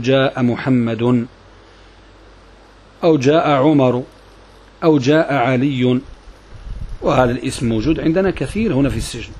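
A man with a husky, slightly breathy voice teaches a grammar lesson, his speech carrying a flavor. He explains slowly and deliberately, repeating phrases so his students can follow along. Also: medium pitch, a little mellow. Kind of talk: classroom lesson. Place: prison room with students.

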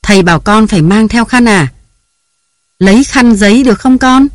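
A reader voicing a harried young mother who scolds her children in a raised, hurried voice. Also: medium pitch, dark tone, no room sound, clean studio sound, lightly acted. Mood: scolding, frantic. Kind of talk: audiobook character voice.

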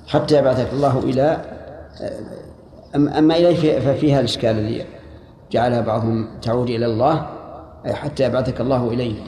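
A man's voice: mid-range voice, dark tone, echoey room, slight background noise. A man, teaching and commenting on a text a student reads aloud. He explains points plainly and corrects the reader. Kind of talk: lesson commentary.

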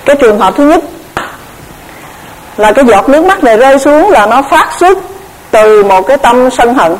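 A woman giving a Buddhist dharma lecture, measured and explanatory, often repeating words as she searches for the next one. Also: high-pitched, lively intonation, slight background noise, poor audio. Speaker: Buddhist Abhidhamma teacher.

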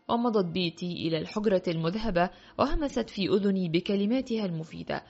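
A woman narrating a literary audiobook in a measured, reflective way. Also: medium pitch, darkish tone. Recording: dull lo-fi audio with faint music.

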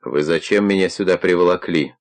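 A man's voice: low-pitched, a little fast. A man doing a sullen, defiant young man. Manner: gruff, muttering.

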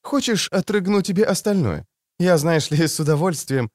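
A man's voice: sits high, lively intonation, moderate pace, a little mellow, dry recording, clean studio sound, pitched above the performer's own voice. A man reading an audiobook, voicing a languid, provocative adult woman in a scheming mood. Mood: teasing. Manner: drawling, provocative.

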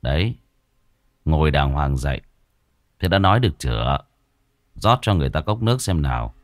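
Steady young male exorcist, voiced by a man, low, unhurried and firm, horror story reading. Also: dry recording, studio quality. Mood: commanding. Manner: measured, commanding, steady.

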